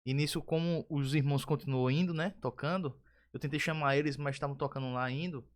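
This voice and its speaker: A man hosting a Christian podcast, telling a story in an earnest, casual way and rising sharply when excited. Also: fairly high pitch, brisk. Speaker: podcast host. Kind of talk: casual testimony chat.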